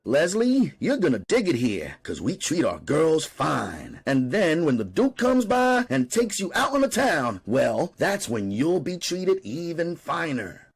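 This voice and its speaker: A man voicing a loud, crude, bitter middle-aged female madame with a high, swinging voice. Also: wildly swooping pitch, unhurried, creaky, hardly any pauses, slightly rough, heavily acted. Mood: coaxing.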